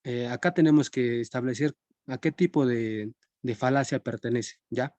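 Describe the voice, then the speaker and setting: Mellow-voiced man teaching a class. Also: medium pitch, moderate pace, no echo. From Peru. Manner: conversational, checks in with students often. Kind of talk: live-streamed philosophy class.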